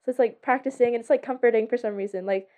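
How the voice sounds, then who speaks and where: A woman's voice: on the high side, rapid-fire, mellow. A young adult woman with a giggly, slangy way of telling stories in casual podcast chat.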